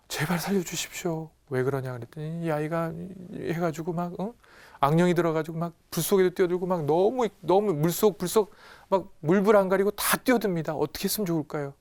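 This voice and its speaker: Lively male priest acting out stories. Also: fairly high pitch, no room sound. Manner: animated storyteller, acts out Gospel dialogue and quizzes the audience. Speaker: Catholic priest giving a retreat talk. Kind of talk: lively spiritual lecture to an audience.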